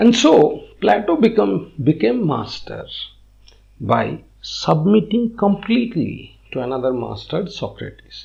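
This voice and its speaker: A man with a Bengali accent, speaking at a fairly slow pace. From India (Bengal). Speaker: lecturer and author. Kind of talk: lecture. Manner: halting, with repetitions.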